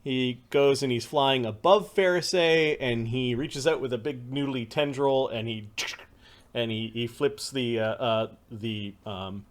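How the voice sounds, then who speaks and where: A man's voice: medium pitch, a little slow. Male game master, average voice, narrates loosely with frequent self-corrections. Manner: rambling, full of fillers and self-corrections.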